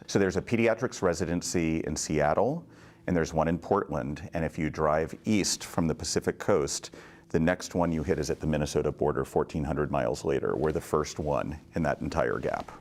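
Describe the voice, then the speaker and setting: A man with an extremely deep, low voice answers a reporter's questions as a pediatric program director. He explains things in a measured, steady way. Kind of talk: news interview answers.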